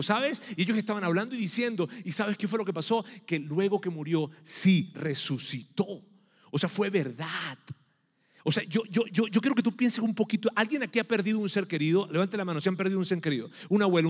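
A man's voice: high voice, long reverb tail. A man with a Mexican Spanish accent preaching a casual sermon, chatty and storytelling, with many fillers and restarts. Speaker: pastor. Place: church hall with long reverb.

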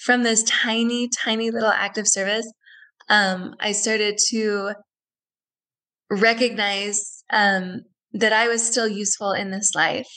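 A woman's voice: medium pitch, bright, forceful tone, rough recording. A woman guest in a radio interview who tells a personal story earnestly and reflectively, often repeating phrases.

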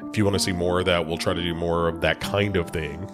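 A man's voice: deep voice, flat delivery, quick pace, over music. A man from the United States hosting a podcast, a bit congested from a cold, talking casually with lots of ums and restarts. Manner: rambling, many fillers and restarts. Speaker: podcast host.

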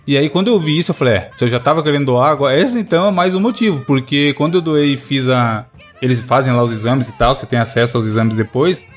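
A man's voice: mid-range voice, fast talker, soft background music. A man hosting a casual podcast chat, joking and telling a story. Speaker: podcast host.

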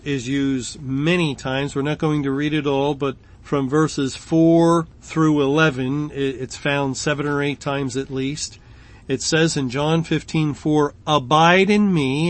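A middle-aged man gives a verse-by-verse Bible lesson at a very slow, deliberate pace. His voice sits a little high for a man, and he often stumbles and restarts words as he thinks aloud. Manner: slow, halting delivery with frequent restarts and fillers. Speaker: Bible teacher.

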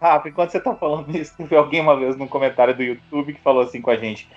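A man's voice: on the high side, fairly even intonation, very fast, muffled recording, a crowd in the background. A man with a Brazilian Portuguese accent hosting a casual podcast chat in a teasing, slangy way. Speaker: podcast host.

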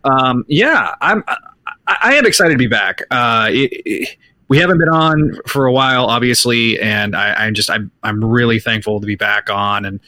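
A man co-hosting a casual comics podcast, slightly croaky from a sore throat, rambling with many restarts. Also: medium pitch, lively intonation, moderate pace, sharp tone, dry recording. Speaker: podcast co-host. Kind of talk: casual live-streamed comics podcast chat.

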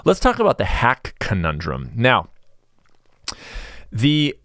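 A man's voice: mid-range voice, wildly swooping pitch, slow, a bit bright, dry recording, studio quality. A man hosting a solo podcast, talking in a sarcastic, exasperated, rambling way. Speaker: podcast host. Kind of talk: casual solo podcast rant.

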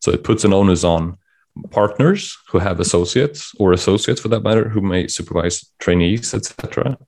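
A man co-host in a casual panel discussion, explaining points in a measured way and reading out passages of guidelines. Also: low-pitched, darkish tone. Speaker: podcast co-host.

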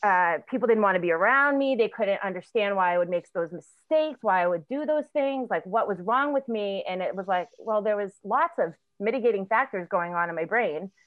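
A woman in her thirties, a recovery coach, speaking candidly as an interview guest, halting with many fillers and restarts. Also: mid-range voice, expressive, no echo. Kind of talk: emotional personal storytelling in an interview. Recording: tinny phone-like line, dry.

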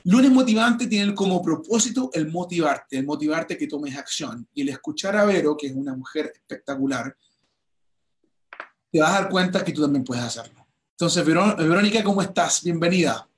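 Man, higher voice, eager host, stumbles and repeats words. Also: lively intonation, moderate pace. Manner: enthusiastic, stammering restarts. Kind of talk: motivational interview.

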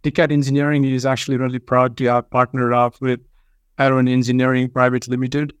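A man from Nepal, an engineering firm president, answering interview questions in measured, slightly formal phrasing. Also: medium pitch, little pitch movement, clean tone, dry recording.

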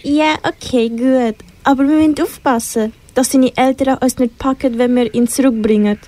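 A woman's voice: high-pitched, fairly even intonation, normal speed, dark tone, natural voice. A teenage girl voicing a cautious young unicorn in a school radio play, speaking in a wary, doubtful way. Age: teens.

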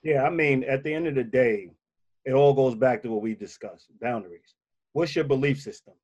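A man with a slightly bassy voice who co-hosts a casual advice talk and drives his points home by repeating them. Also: moderate pace, a little mellow, muffled recording. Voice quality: a little bassy voice. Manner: emphatic, repeats key points.

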